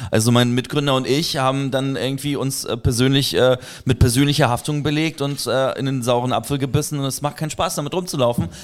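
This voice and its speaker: Here a man speaks at a very fast pace. His pitch is medium, with ordinary variation. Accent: northern German. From Kazakhstan. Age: 30s. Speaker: spirits company founder. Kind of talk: casual chat.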